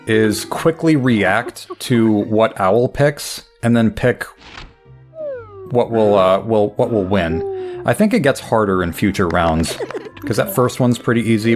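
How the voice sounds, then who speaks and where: A young man giving rambling, wry, self-deprecating commentary while playing a game. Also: fairly low pitch. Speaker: gameplay commentator. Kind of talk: casual let's play commentary.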